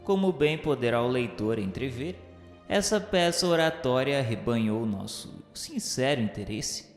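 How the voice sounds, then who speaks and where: A man narrating a radio novel in a solemn, grandiloquent, declamatory literary style. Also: mid-range voice. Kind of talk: scripted dramatic literary narration. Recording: echoey hall with faint music. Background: faint music.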